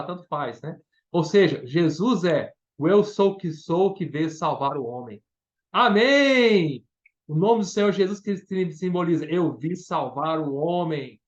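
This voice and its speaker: A man's voice: fairly high pitch, highs cut off. A man with a Brazilian Portuguese accent preaching a Bible study sermon, explaining step by step and often asking "né?". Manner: explanatory, repeats words and asks "né?".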